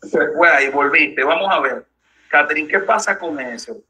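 A man with a Dominican Spanish accent hosts a conversational interview, sharing his own experience and pressing his guest with pointed questions. His voice sits high for a man and has a very bright, forward tone. He speaks earnestly and in a personal way. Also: moderate pace, low-quality recording. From Dominican Republic.

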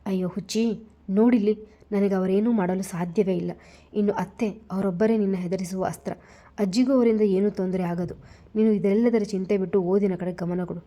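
A devoted, protective young man whose tender words turn fierce when his family is threatened, as a woman narrator puts him on. His voice stays mellow and warm in this storybook romance. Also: mid-range voice, steady tone, a little fast, lo-fi sound, close to an everyday voice. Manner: tender but flaring into anger.

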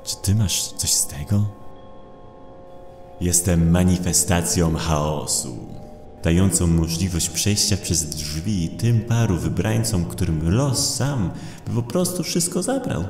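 Guy doing a scornful dark chaos demon for a horror audio drama, super deep n gravelly, lecturing. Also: lively intonation, takes it slowly, echoey room, faint music behind, heavily acted. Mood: condescending.

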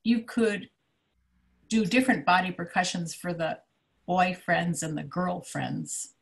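A woman's voice: fairly low pitch, fairly even intonation, a little slow, vocal fry. A woman taking part in a workshop on a video call, hesitant and thinking aloud. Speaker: workshop participant. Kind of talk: casual video-call chat.

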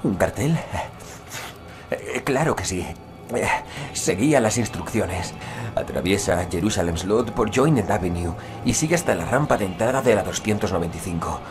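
A man performs a stranded father in an audio drama. His low voice is halting and anxious, worn out by the storm, with faint music behind it. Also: lively intonation, lightly acted. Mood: anxious, confused. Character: exhausted, frantic father stranded in a snowstorm.

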